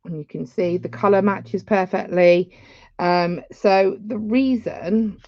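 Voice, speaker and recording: A woman's voice: mid-range voice, slow, no echo, dull audio. A woman, giving a chatty live beading tutorial with rambling asides. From England.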